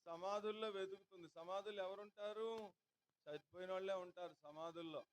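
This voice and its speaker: A man's voice: high-pitched, fairly even intonation, brisk, low-quality recording. Telugu-speaking pastor questioning his congregation. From India. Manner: asks the congregation repeated rhetorical questions. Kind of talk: sermon. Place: church hall.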